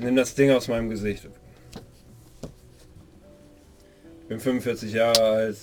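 A man playing a gruff ex-convict. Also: mid-range voice, a bit bright, natural voice. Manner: curt, irritable, sarcastic. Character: gruff 45-year-old male ex-soldier convict. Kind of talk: in-character roleplay.

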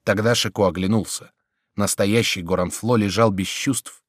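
A man narrating an audiobook in an expressive, animated storytelling manner. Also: fairly low pitch, normal speed, dry recording. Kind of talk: scripted narration. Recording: dry studio audiobook.

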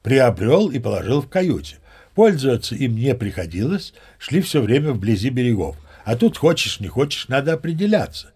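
An actor playing a seasoned old sea captain who narrates tall tales as a chatty, mock-dignified raconteur. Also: male voice, mid-range voice, very animated, normal speed, darkish tone, breathy edge. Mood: chatty, wry. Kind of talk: dramatized storytelling narration.

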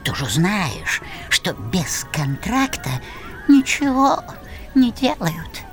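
A woman playing a sly, wheedling little male devil with a squeaky voice in a theatrical audio drama. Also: sing-song. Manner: wheedling, drawn-out, giggly. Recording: music behind the voice.

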